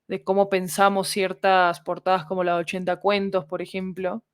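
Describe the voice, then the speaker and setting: Latin american spanish woman, mid pitch, casual podcast chat, thinks out loud, keeps checking you follow. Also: little pitch movement, moderate pace. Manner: thinking aloud, often checking with the listener. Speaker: podcast creator guest. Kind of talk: casual conversational explanation.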